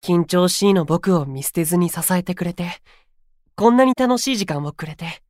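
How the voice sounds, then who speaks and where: A man acts out a sweet, earnest young male idol in a Japanese voice drama. He speaks softly and politely in a light, boyish voice, recorded dry and close. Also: high voice, normal speed, dry recording, close to an everyday voice. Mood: grateful. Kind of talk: Japanese anime-style voice drama acting.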